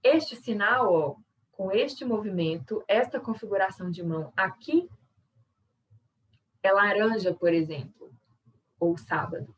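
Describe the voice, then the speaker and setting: A Brazilian woman explains sign language basics in a chatty teaching tone, checking in with her listeners again and again. Her voice sits at a middle pitch for a woman and sounds a little distant from the microphone, as on a video call. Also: unhurried, pauses often. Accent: Brazilian Portuguese. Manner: explanatory, conversational, many tag questions. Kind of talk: online workshop lesson.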